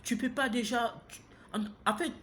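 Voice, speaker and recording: A man, giving an impassioned, preachy monologue that keeps turning to the listener with "hein?" and grows loud and heated. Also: very high-pitched, fairly even intonation, moderate pace, slight background noise. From Gabon. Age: 30s. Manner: preachy, repeats himself, asks listeners "hein?". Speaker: vlogger.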